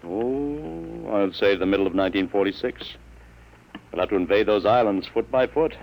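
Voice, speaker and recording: An actor playing a genial, easygoing middle-aged small-town father, chatty and gently teasing, in a 1950s radio drama. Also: fairly low pitch, animated, normal speed, creaky, low-quality recording. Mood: musing. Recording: vintage 1950s radio recording.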